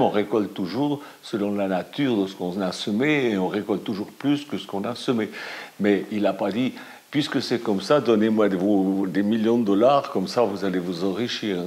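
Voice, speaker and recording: A middle-aged Swiss French pastor preaching a sermon with animated, emphatic storytelling. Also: male voice, low voice. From Valais, Switzerland.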